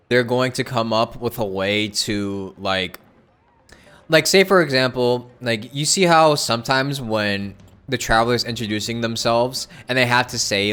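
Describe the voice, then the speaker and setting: A man's voice: medium pitch, pushed and bright, clear, resonant tone. A man casually commentating on a game live stream, rambling as he chats with viewers. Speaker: game livestreamer. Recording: game music behind the voice.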